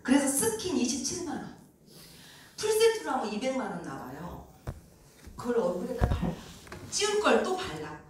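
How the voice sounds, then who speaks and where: A middle-aged woman giving a sales seminar, telling stories with animated acted-out dialogue and frequent laughter. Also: a little high. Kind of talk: business presentation with anecdotes. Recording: echoey room, mic at a distance, faint noise.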